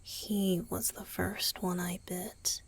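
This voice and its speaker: A woman voicing a gentle, youthful male vampire boyfriend in a romantic ASMR roleplay, soft and hesitant. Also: fairly low pitch, level tone, takes it slowly, exaggerated voice. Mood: wistful, confessional. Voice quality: soft, breathy, husky. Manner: hesitant, tender, sighing delivery.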